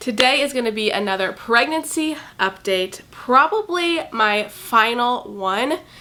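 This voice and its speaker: Over noticeable background noise, a woman with a high pitch talks in an animated tone, with lively intonation and hardly any pauses. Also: fairly slow pace. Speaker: vlogger. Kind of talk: casual vlog update. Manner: chatty, animated.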